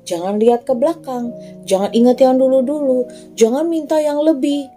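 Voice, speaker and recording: Lively young woman teaching Sunday school children. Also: sits high, normal speed, soft background music. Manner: lively, addressing children directly. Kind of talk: children's sermon and storytelling.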